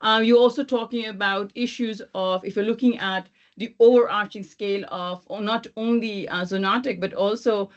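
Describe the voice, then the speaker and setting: A woman from Thailand speaking off the cuff as a webinar panelist, haltingly, often rephrasing and circling back. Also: mid-range voice, steady tone. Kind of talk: extemporaneous panel remarks. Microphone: video call. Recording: dull lo-fi video call.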